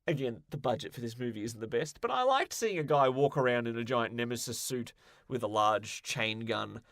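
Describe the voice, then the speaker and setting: A man's voice: medium pitch, animated, moderate pace, a bit bright, no echo, clean studio sound. A man co-hosting a podcast in casual, opinionated chat, with a wry, ranting manner. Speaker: podcast co-host.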